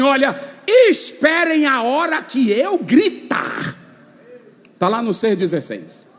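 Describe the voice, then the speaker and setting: A male preacher delivers a fiery sermon, his very high voice leaping up and down as he shouts and chants. He calls on the congregation to shout back. Long reverb from a big hall trails every phrase. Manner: shouting, sing-song preaching with call and response. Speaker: pastor. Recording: long echo of a large hall.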